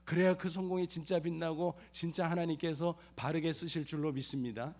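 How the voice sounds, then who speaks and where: A man's voice: fairly high pitch, steady tone, brisk, a little mellow. A man in his fifties, a pastor telling a personal family story in a sermon with emphatic repetitions and acted dialogue. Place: church sanctuary.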